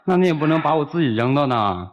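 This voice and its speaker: A man's voice: a little high, animated, rapid-fire, dull audio, slight background noise. A man from Liaoning, a guest who protests and defends himself against his girlfriend's complaints. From Liaoning, China. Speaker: guest on dating show.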